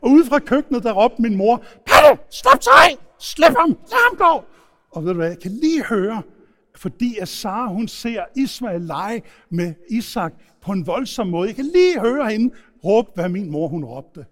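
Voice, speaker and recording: A man preaching a sermon, retelling stories in a lively storytelling manner. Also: sits high. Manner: storytelling, animated retelling with shouted quotes. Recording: long hall reverb.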